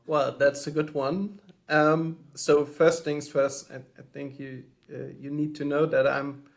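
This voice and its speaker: A man's voice: a little high, level tone, a little slow, creaky. Hesitant German man guest on a call. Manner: thoughtful, hesitant, many fillers and restarts. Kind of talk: podcast interview answers. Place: home.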